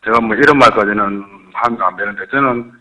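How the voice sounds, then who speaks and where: A middle-aged man speaking a Korean regional dialect, phoning in to a live stream and rambling haltingly, often repeating himself. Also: fairly low pitch, pushed and bright, rough recording. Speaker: caller. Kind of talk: phone-in advice call.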